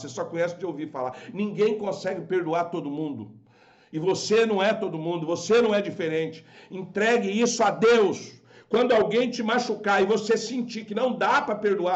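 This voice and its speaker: A man with a high voice and a Brazilian Portuguese accent preaches as a pastor on a live stream, delivering a fervent, scolding sermon and acting out quoted voices. The audio sounds dull.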